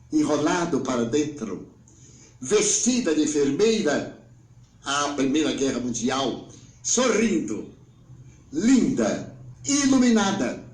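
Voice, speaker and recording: A man in his nineties with a Brazilian Portuguese accent, giving a spiritual talk as an emotional story, swinging between hushed and exclaiming. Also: a little high, reverberant, low-quality recording. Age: 90s. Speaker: spiritual speaker.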